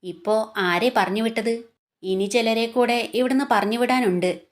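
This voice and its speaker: A woman's voice: on the high side, measured pace, lightly acted. A woman storyteller voicing a spiteful young female coworker who mocks and taunts. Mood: taunting. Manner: mocking, taunting.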